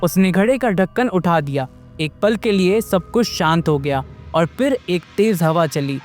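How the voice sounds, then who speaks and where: High-voiced male storyteller. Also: lively intonation, a little slow, faint music behind. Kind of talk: scripted horror story narration.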